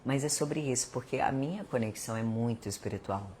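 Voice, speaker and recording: A woman's voice: very deep voice, fairly quick, darkish tone, a little hiss or hum. A Brazilian woman hosting a live stream, talking casually about self-knowledge and acting out little everyday exchanges for her viewers. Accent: Brazilian Portuguese. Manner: chatty, conversational, addresses viewers as gente, acts out little dialogues. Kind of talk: casual self-help talk.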